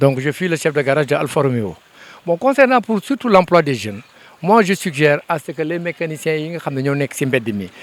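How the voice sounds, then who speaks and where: A man's fairly high-pitched, an ordinary speaking voice at a fairly quick pace, dry and close with no echo. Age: 60s. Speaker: mechanic, garage chief. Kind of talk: interview.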